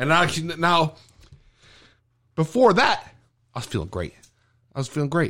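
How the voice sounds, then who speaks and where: On a very clean recording with a silent background, a man speaks at a fairly quick pace. His fairly high voice carries vocal fry. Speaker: podcast host. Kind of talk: casual chat. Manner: animated.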